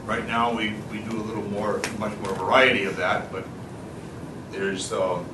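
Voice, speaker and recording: Man, informal guest speech, hesitant repeated phrases, strong echo, clear ambient noise. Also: fairly low pitch, fairly even intonation, normal speed. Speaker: guest speaker, developer. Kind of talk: informal thank-you speech. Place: public event, picked up from a distance. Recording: distant echoey mic with loud ambient noise.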